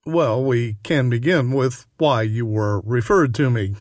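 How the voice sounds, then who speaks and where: A man voices a patient psychiatrist who speaks in a soothing, measured, clinical way in a comic radio play. His voice sits in a middle range, recorded dry and close. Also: mid-range voice, no echo, natural voice. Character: calm, patient male psychiatrist.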